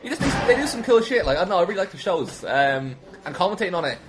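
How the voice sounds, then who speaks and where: A young Irish man telling casual stories as a guest, animated, self-deprecating and sweary. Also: sits high, fast, noisy background. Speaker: podcast guest, wrestling commentator.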